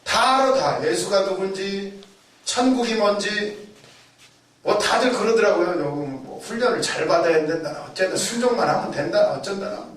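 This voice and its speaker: A man's voice: sits high, normal speed. A man preaching a sermon, telling stories vividly, repeating key words for emphasis and acting out the voices he quotes. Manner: animated storytelling, acting out quoted voices and shouts. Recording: very echoey, mic far off.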